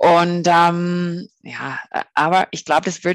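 A woman with an English accent and a fairly low pitch, in a dry, close sound with no echo. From Canada. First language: English (speaking German). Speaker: professor. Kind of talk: interview. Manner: halting, many fillers.

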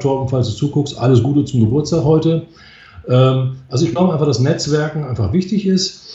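Over noticeable background noise, a man speaks at a fairly quick pace and medium pitch with ordinary pitch variation. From Lower Saxony, northern Germany. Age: 50s. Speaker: mobile DJ and event organizer. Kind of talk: livestream interview.

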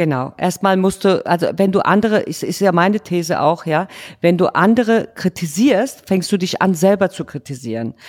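On a very clean recording with a silent background, a woman with a non-native accent speaks at a medium pitch. Her intonation is lively and her pace moderate. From outside Germany. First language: not German (speaking German). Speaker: hairdresser and podcast co-host. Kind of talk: casual chat. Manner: hesitant with many fillers.

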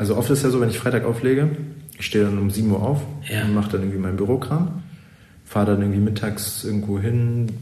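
A man with a fairly low pitch talks at a fairly quick pace. Audible room echo and noticeable background noise fill the recording. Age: 20s. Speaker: wedding DJ. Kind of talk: casual chat. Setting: office.

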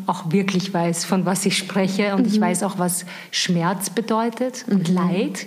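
A woman at a medium pitch and a very slow pace, with an Austrian accent, noticeable background noise and audible room echo. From rural Austria. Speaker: coach and former actress. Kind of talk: interview.

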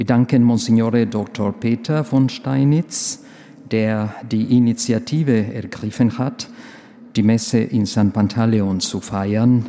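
At a very slow pace, a man with a medium pitch speaks with fairly even intonation. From Mexico. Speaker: priest of the Latin American community. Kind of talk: sermon.

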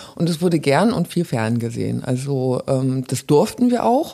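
Her intonation is lively, at a moderate pace. The woman's tone is dark and mellow. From rural northern Germany. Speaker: children's film festival director. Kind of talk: casual interview. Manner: many fillers and hesitations.

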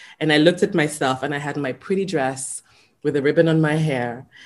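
A woman's very deep, low voice with ordinary pitch variation, against a quiet background. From Nigeria. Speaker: education entrepreneur. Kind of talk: interview.

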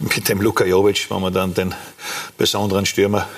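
Through noticeable background noise, a man with a fairly low pitch speaks at a fairly quick pace in a flat monotone. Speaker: football coach. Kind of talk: TV talk show.

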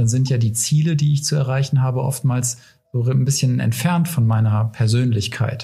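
Somewhat breathy man's voice with a dark, mellow tone, medium pitch, fairly even intonation and a moderate pace. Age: old. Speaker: podcast co-host, leadership consultant. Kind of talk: casual discussion.

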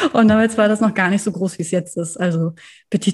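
Against a quiet background, a woman talks at a very fast pace in a dark, mellow, somewhat breathy tone with fairly even intonation. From Germany, bilingual German-Danish. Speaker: hobby knitter and knitting pattern designer. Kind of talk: casual interview chat.

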